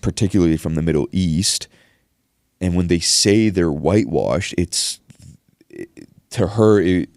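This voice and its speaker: Young guy with a really low voice chatting on a podcast, dry close sound. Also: no echo. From Iran, raised in Canada. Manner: relaxed, storytelling, with fillers. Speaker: podcast host. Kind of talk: casual podcast chat.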